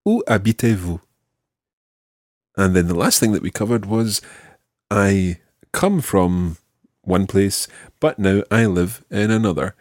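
A man hosting a podcast language lesson, modelling phrases slowly and clearly for a learner. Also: on the low side, no echo, studio quality. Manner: slow, clear teaching delivery with drawn-out model phrases. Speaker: language teacher and podcast host.

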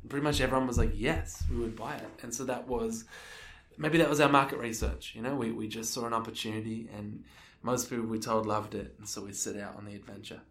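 An Australian man of thirty answers interview questions in a loose, conversational way. His voice sits at a medium pitch. It sounds roomy and set back from the microphone. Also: fairly even intonation, brisk, fairly bright tone, slight background noise. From Melbourne, Australia. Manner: informal, conversational, peppered with "like" and "you know". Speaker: interview guest, social enterprise co-founder. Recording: echoey room, distant from the mic.

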